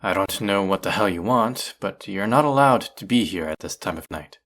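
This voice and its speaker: A man's voice: sits low, expressive, normal speed, fairly bright tone. A man playing a proud, combative restaurant chef in an audio roleplay, indignant, condescending and sarcastic as he argues. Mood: curt, irritated. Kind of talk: audio roleplay acting, one-sided dialogue.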